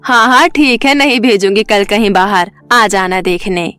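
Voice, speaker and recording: A woman's voice: mid-range voice, normal speed, sharp tone, faint music behind, natural voice. A woman voicing a scheming mother-in-law who keeps making excuses, in a cartoon story. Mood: dismissive.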